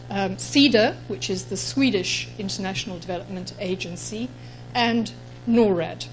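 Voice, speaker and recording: A woman's voice: mid-range voice, slight background noise, poor audio. Zimbabwean woman giving a conference talk. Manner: measured, explanatory, frequent ums. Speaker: conference speaker. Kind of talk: conference presentation. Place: conference room.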